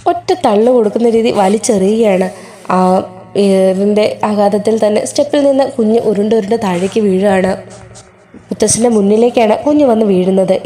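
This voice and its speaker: A woman's voice: medium pitch, mellow. A woman narrating a serial recap in a casual storytelling way, steadily retelling each scene.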